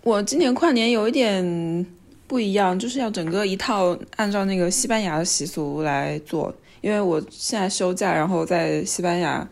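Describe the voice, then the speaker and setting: A woman's voice: fairly low pitch, normal speed, creaky. A woman co-hosting a casual podcast chat, telling stories with energy and acting out what others said. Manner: animated storyteller, acts out quoted speech. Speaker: podcast co-host.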